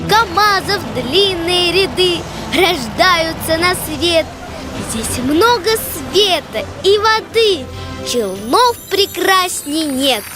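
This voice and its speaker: A woman recites verse for children in a very high voice. Her delivery is slow and animated, with music clearly behind it.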